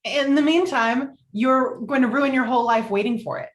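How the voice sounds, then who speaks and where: A woman's voice: high-pitched, normal speed, close to an everyday voice. A woman playing a practical, earnest young aspiring journalist, a little defensive, in a script table read. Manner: earnest, matter-of-fact, defensive.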